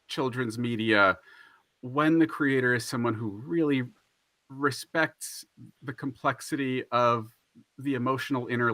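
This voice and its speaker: A man's voice: medium pitch, pushed and bright, no room sound. A man moderating a panel discussion, thoughtful and affirming as he responds to the speakers.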